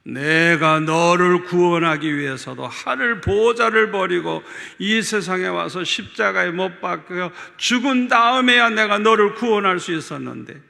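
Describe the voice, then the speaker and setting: A man preaching, voicing the Lord in a slow, grave manner as he quotes him. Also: high-pitched, vocal fry, pushed and bright, heavily acted. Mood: solemn. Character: the Lord speaking, solemn male voice. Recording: long hall reverb of a church.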